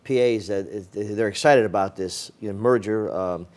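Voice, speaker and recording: A man's voice: lowish voice, moderate pace, darkish tone. A man hosting a local TV talk show, who talks in a folksy, rambling way with many fillers and restarts.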